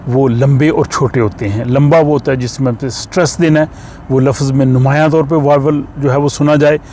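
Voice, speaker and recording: A man with an Urdu accent explains a language lesson at an unhurried pace, pausing often on fillers. His voice sits at an ordinary middle pitch. Faint car and street noise hums behind him. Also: fairly even intonation, a little mellow. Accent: Urdu-speaking. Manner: slow, explaining with many fillers. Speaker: language teacher.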